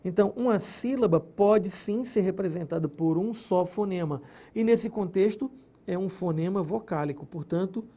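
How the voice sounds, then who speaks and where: Mellow-voiced grammar teacher. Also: male voice, high-pitched, moderate pace. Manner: didactic, splits words syllable by syllable, checks in with "beleza?" and "ok?". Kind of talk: recorded exam-prep lesson.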